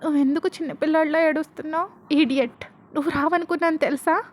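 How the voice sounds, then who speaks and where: A woman's voice: high-pitched, fairly even intonation, a little fast, warm tone, lightly acted. A woman voicing a fiery young woman who scolds her lover, calling him an idiot, in a Telugu audio story. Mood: tearful scolding.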